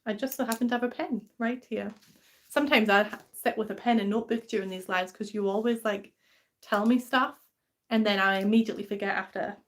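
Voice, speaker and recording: A woman's voice: medium pitch, fairly quick. A young woman from England with a mixed English and Scottish accent, hosting a casual live stream and chatting with viewers in a rambling way, full of fillers. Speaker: livestream host. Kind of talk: casual live stream chat reading comments.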